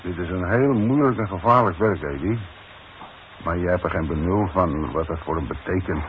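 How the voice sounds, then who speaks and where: A man's voice: deep voice, moderate pace, lightly acted. Actor as a stubborn foreman, muffled old radio play. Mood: defensive, firm. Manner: insistent, blunt. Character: stubborn, firm foreman defending his decision. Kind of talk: 1960s Dutch radio play acting. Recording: muffled, hissy 1960s radio recording.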